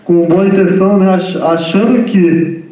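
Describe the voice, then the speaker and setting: Guy speaking as guest at a lecture, halting, keeps tagging phrases, high voice, echoey far-off mic. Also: steady tone. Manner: halting, repeats "né?" constantly. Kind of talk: informal lecture talk. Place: lecture room. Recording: echoey hall from far off, dull sound.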